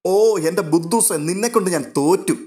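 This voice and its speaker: Man doing a cheeky bossy young woman, mock-scolding, higher voice. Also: moderate pace, dark tone, close to an everyday voice. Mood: mock-stern. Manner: mock-stern, playful scolding.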